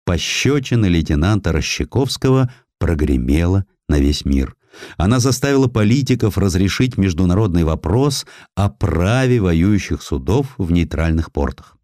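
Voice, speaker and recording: A man narrating historical prose as an audiobook, with a measured, expressive and dramatic literary delivery. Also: sits low, dry recording, clean studio sound. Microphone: close studio microphone.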